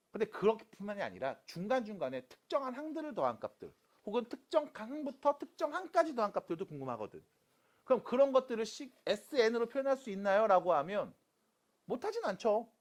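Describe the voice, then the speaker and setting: A math teacher lecturing high school students in a playful way, asking questions and answering them, with silly sound effects while writing. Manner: talks students through writing on a board.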